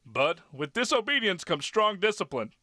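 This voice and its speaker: Stern cartoon veteran soldier: raised pitch, forceful tone, preachy old-fashioned discipline. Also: male voice, sing-song, normal speed, no echo, heavily acted. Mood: scolding. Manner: commanding, old-fashioned, lecturing. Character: stern old-timer male drill-sergeant soldier, preachy and fatherly. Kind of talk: animated comedy military bark.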